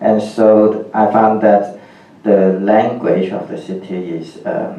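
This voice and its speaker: A man with a Cantonese accent speaks very slowly in a fairly low, flat monotone, his loudness swinging widely amid noticeable background noise and audible room echo. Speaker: film director and scriptwriter. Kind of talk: panel Q&A discussion. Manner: halting, many fillers.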